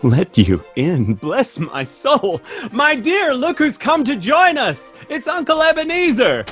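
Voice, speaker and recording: An actor playing a hospitable younger nephew hosting a party, effusive and welcoming, in a theatrical radio play. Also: male voice, very high voice, huge pitch swings, slow pace, fairly bright tone, soft background music, exaggerated voice. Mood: delighted welcome.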